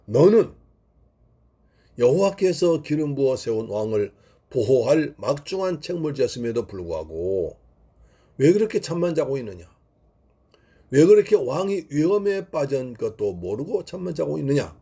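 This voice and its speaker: A pastor voicing David, earnest and wronged. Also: male voice, mid-range voice, sing-song, normal speed, mellow, slightly rough. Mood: rebuking. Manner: solemn biblical-style address, rebuking then pleading. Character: young male warrior king-to-be, earnest and wronged. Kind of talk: dramatized scripture quotation in a sermon.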